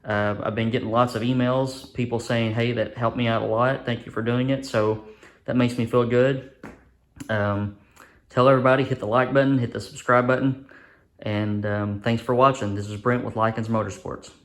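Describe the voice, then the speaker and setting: A man's voice: medium pitch, flat delivery, moderate pace. A man casually explains a hands-on job to viewers, as an engine builder in a folksy, plainspoken, modest way. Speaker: engine builder presenting a how-to video.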